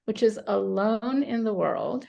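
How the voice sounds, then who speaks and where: A woman from Romania, a psychotherapist answering interview questions thoughtfully over a video call, with many pauses and fillers. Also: mid-range voice, gravelly, a little mellow, dull audio. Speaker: psychotherapist guest.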